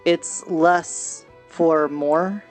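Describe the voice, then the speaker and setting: A woman's voice: low voice, fairly even intonation, extremely slow, a little mellow, faint music behind. A woman improvising in-character fantasy roleplay in a conversational, earnest way. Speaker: streamer and roleplay player. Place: online virtual reality session.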